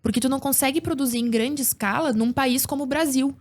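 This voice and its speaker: A woman's voice: sits high, quick pace. A woman speaking as a guest agricultural producer, explaining things in a casual podcast chat and often tagging sentences with questions. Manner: explanatory, frequent tag questions.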